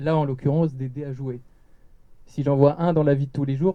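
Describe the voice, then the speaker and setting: A man's fairly high-pitched voice with a dark, mellow tone at a fairly quick pace. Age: 20s. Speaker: 3D animation student. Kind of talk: conference talk.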